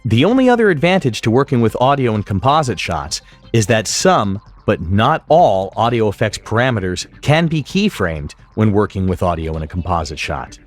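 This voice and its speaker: A man with a fairly low voice narrates a scripted tutorial. His intonation moves in a lively way while he explains things precisely, like an instructor, with some music behind him. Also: moderate pace.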